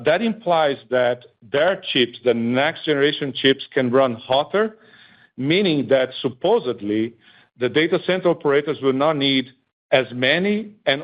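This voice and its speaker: Male executive, mid-pitched, explanatory and methodical, answering on a conference call with slightly muffled, lo-fi sound. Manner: methodical, explanatory, enumerates points. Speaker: company executive. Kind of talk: earnings call answer, explaining technology in simple terms. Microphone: conference call line. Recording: dull, lo-fi conference call audio.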